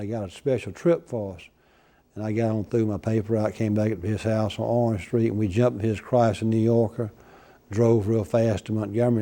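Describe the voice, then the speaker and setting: A man with an Alabama accent talks at a very fast pace, his medium-pitched voice dark and mellow in tone. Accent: Alabama Southern. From US South, Troy, Alabama. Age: 60s. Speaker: former legislator and political columnist. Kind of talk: interview storytelling.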